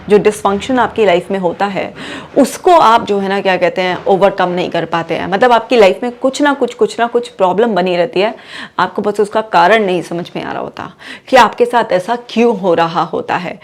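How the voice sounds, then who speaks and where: A woman psychologist with an Indian accent explaining a topic calmly through a case example, mixing Hindi and English words. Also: mid-range voice, moderate pace, slight background noise. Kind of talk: explanatory talk on mental health.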